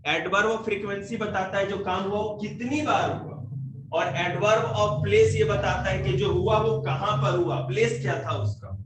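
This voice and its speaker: A man's voice: high voice, steady tone, measured pace. A man with a Hindi accent teaching grammar to a classroom of children, joking and quizzing pupils by name. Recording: echoey room, faint noise.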